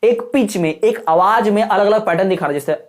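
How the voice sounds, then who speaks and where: A man's voice: sits high, fairly quick. Guy teaching an exam prep class, repeats stuff a lot, keeps asking if you got it. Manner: repetitive explaining with frequent rhetorical checks; folksy, addresses viewers as brother.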